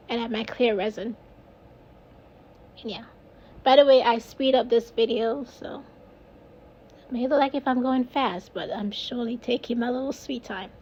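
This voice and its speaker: A woman's voice: on the high side, warm tone, dull audio. A woman with a Jamaican accent casually narrating her own craft video, rambling and laughing at herself. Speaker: resin crafter, video host.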